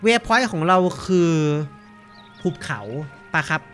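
A man's voice: high-pitched, measured pace, pushed and bright, soft background music. A man giving casual, polite let's-play commentary, musing aloud as he explores. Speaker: gamer streamer.

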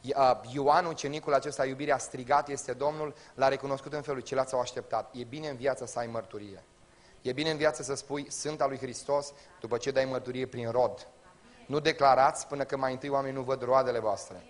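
A man with a Romanian accent preaching a sermon to a congregation in a colloquial way, his delivery swinging from loud exclamations to low murmurs. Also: fairly even intonation. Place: church before a congregation.

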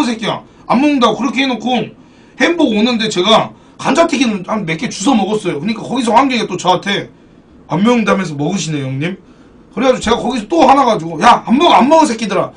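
A high-voiced man, captured from some distance, chats casually with his viewers while streaming a football card game. Animated and foul-mouthed in his banter, he also thanks donors.

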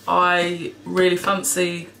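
Sitting in her kitchen at home, a woman who vlogs about cleaning chats and rambles to the camera in front of her at table height, laughing and swearing occasionally. She speaks slowly in a fairly low, monotone voice that's a bit bright, slightly hoarse and froggy. The recording picks up kitchen echo and background noise.

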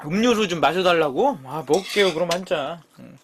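A man's voice: a little high, fairly quick, a little hiss or hum. A man in his thirties hosting a live eating stream, chatting casually with viewers and swearing freely as he bickers with them. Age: 30s. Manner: lively, jumps between mumbling and loud outbursts.

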